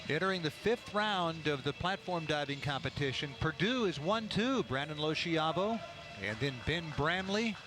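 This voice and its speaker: A man's voice: fairly high pitch, animated, normal speed, music in the background. A man doing live play-by-play sports commentary in a factual announcer's delivery, setting out standings and scores. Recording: noisy indoor sports venue ambience. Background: venue noise.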